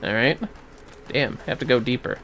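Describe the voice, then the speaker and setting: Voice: mid-range voice, fairly even intonation, a little fast, a bit bright, a little hiss or hum. A game streamer giving casual livestream commentary, sweary and irreverent, often muttering to themself.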